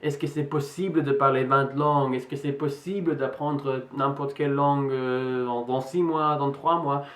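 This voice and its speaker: A man's voice: mid-range voice, fairly even intonation, normal speed, few pauses, a bit bright. Hesitant English man speaking French, roomy sound. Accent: English speaker in French, slightly American-tinged. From England. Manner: hesitant, many fillers and restarts. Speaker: vlogger. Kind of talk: casual vlog talk to camera. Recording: roomy echo.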